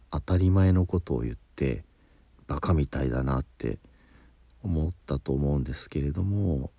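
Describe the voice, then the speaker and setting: Low slow guy patiently walking thru pronunciation, dark mellow voice, dry close sound. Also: no echo. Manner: patient, explains step by step, demonstrates sounds. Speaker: pronunciation teacher. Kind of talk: spoken lesson.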